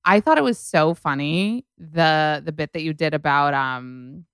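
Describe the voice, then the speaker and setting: Chatty host, rambling and enthusiastic, low smooth voice, dry studio sound. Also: female voice, a little slow, no room sound. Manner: gushing, chatty, lots of "like". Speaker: podcast host. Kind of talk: casual podcast chat.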